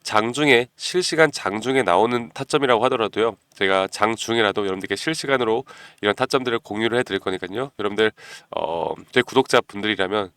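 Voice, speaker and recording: A man hosting a stock market channel, talking persuasively to viewers and often clearing his throat because of a cold. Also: fairly low pitch, quick pace, hardly any pauses, fairly bright tone, no echo. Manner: persuasive, keeps asking viewers "you know?". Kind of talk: stock analysis talk to viewers.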